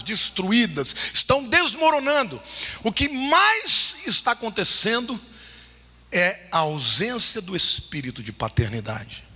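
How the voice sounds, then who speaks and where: A man preaching a sermon, swinging between loud, high exclamations and low, hushed lines. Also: long reverb tail.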